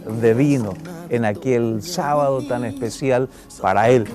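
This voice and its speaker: A man's voice: mid-range voice, a little slow, music in the background. A man hosting a TV interview, asking brief prompting questions and echoing his guest's answers. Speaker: TV interview host.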